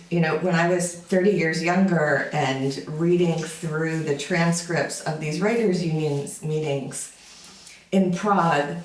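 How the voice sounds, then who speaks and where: A lecturer in their fifties gives a relaxed summer school talk, full of fillers and wry asides. The voice is medium-pitched, and the distant mic gives a roomy sound with a little hiss or hum.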